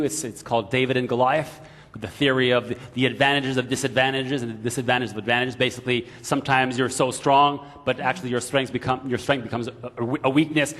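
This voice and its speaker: A middle-aged man moderating a conference panel on stage, telling stories with animated asides. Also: mid-range voice. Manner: animated storyteller, quick asides. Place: large conference hall stage with audience. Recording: long hall reverb, audience murmur.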